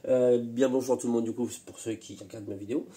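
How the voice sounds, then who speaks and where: Still somewhat congested from a cold, this man runs a relaxed workshop vlog about tuning moped engines. He talks fast and in a steady, warm tone at medium pitch, his speech wandering with hesitations and repeated words.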